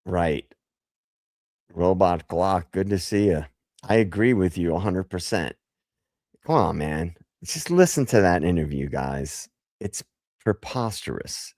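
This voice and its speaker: A man hosting a casual livestream, hoarse after a gig, talking loosely and swearing as he jokes with chat. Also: low-pitched, expressive, unhurried, a little mellow, dry recording, studio quality. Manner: loose and profane, jokey. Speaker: livestream host.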